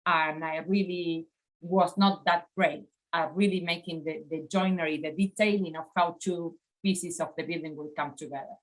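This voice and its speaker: Argentine-accented woman lecturing, slightly low voice. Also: steady tone, moderate pace, low-quality recording. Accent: Argentine Spanish. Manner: reflective, often adds "right?". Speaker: design educator. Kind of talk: conference lecture over slides. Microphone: webcam on video call.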